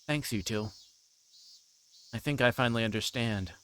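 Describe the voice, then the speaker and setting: A man livestreaming a visual novel, reading story text aloud and adding halting, informal asides. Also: medium pitch, a bit bright. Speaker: streamer playing a visual novel. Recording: clear background noise, insect-like ambience.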